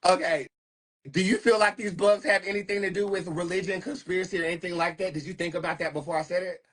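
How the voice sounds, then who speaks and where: A man's voice: sits high, fairly even intonation, fast, a bit bright. A man from North Carolina, chatting casually as a livestream host in a sassy, profane, conspiratorial way. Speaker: host, tarot reader.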